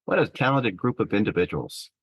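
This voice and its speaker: A man's voice: lowish voice, very animated, fairly quick, breathy edge, dry recording, rough recording. A man co-hosting an interview show in a conversational style. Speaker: show co-host.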